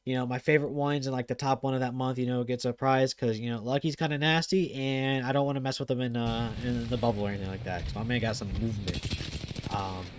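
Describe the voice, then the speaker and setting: Male gaming host, fast and excitable, average pitch, dead-dry room sound. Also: no echo. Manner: excitable and fast-talking, with many fillers. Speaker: gaming channel host reviewing viewer clips. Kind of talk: casual commentary over gameplay clips.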